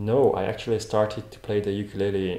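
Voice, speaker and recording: In a Hungarian accent, a man speaks at a fairly quick pace with a fairly low pitch and monotone, flat intonation, and audible room echo. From Hungary. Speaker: classical guitarist and musician; interview guest. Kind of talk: interview conversation. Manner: halting, with many repeated words and fillers. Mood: relaxed, friendly. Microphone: earbuds.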